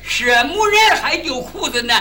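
A man spins a comic crosstalk tale as a blustering country bumpkin, tripping over his words. His voice sits very high and rings sharp and bright. It swoops up and down as he tells it. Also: animated, normal speed, a little hiss or hum. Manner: playing a blustering country bumpkin, stammering restarts. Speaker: lead comedian in a crosstalk duo.

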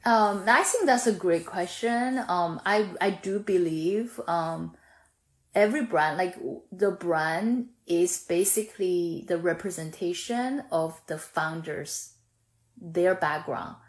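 A woman's voice: lowish voice, takes it slowly. Chinese-accented woman in a roomy recording. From Chongqing, China. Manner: lively, frequent fillers and restarts. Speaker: sauce brand founder, guest. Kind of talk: casual interview conversation.

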